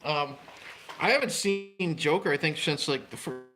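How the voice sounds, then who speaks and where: A man's voice: fairly high pitch, normal speed, bright, forceful tone, faint music behind. A man co-hosting a casual livestream, teasing his friend and laughing along. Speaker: livestream co-host.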